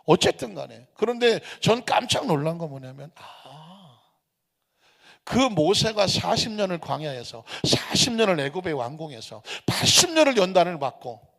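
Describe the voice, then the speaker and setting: A high-voiced man preaches a sermon, pitch swinging widely as he throws questions at the congregation. His voice carries a gravelly edge. The sound rings with the long reverb of a church sanctuary. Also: normal speed. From Seoul. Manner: animated, rhetorical questions to the congregation. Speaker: pastor.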